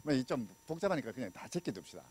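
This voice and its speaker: A middle-aged man from Busan speaks fast in a mid-range, darkish voice with big pitch swings and a breathy edge. He's giving a public law lecture with a handheld mic in a small indoor lecture room, pacing and gesturing, talking conversationally with many fillers, and asking the audience questions.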